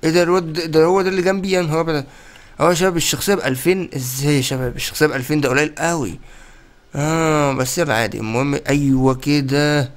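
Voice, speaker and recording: Young man, Egyptian Arabic accent, gaming commentary, very fast talker, slightly high voice, excitable. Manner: excitable, chatty, keeps addressing viewers. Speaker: gaming YouTuber. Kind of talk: let's-play commentary.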